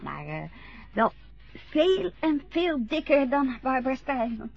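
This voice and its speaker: A woman's voice: sits high, very animated, slow, creaky, heavily acted. An actress in a radio play voicing a young woman who lip-syncs and dreams of stardom, talking eagerly and hesitating with many fillers. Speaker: lip-sync performer. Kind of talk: Dutch radio play acting. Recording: dull lo-fi radio play recording.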